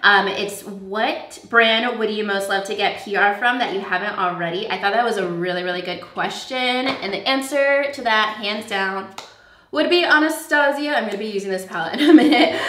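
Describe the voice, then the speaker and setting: A woman speaks with lively intonation. Noticeable background noise and audible room echo come through. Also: fairly high pitch for a woman, moderate pace. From US, Connecticut. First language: Spanish. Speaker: beauty YouTuber. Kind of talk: casual chat. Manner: casual, filler-heavy.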